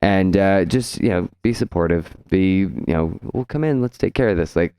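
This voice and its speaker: A man in his thirties co-hosting a hairdressing podcast in a salon, chatting casually into a boom mic and acting out what clients say. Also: moderate pace, dark tone, clear, resonant tone, no room sound. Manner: storytelling, acts out quoted clients. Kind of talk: casual chat. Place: salon studio. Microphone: studio mic on boom arm, headphones.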